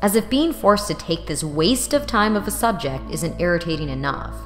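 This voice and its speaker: Snarky young woman, very animated. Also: lowish voice, normal speed, big-room sound. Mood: sarcastic, irritated. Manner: sarcastic, wry, self-deprecating. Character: snarky, exasperated 24-year-old woman, broke college student. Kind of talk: first-person audio drama narration. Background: music.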